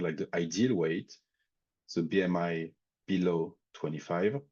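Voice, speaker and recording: A man's voice: deep voice, a little mellow, husky, lo-fi sound. A man with a French accent presenting a technical webinar, thinking aloud with frequent fillers and restarts. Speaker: industry expert presenting a webinar.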